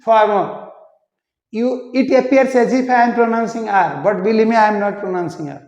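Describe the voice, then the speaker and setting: A man teaching an English pronunciation lesson, repeating words slowly to show how they should sound. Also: sits high, a little mellow. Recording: echoey room, muffled lo-fi sound.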